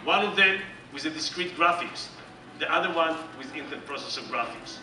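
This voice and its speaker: A middle-aged man with an Israeli accent giving an animated, joking keynote presentation on stage. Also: on the high side, moderate pace, far from the mic, a little hiss or hum. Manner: animated, joking, emphatic and repetitive. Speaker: company executive presenting on stage. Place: large dark conference hall with audience. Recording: echoey hall recorded from the audience.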